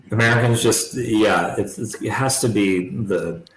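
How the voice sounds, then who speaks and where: A man in casual chat, laughing often and throwing in quick remarks. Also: on the low side, a bit bright, roomy sound, a little hiss or hum, rough recording.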